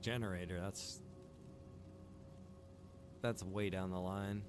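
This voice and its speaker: A man livestreaming a survival roleplay game, chatting casually and informally as he thinks out loud. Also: low-pitched, steady tone, slow, music in the background. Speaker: game livestreamer and server developer.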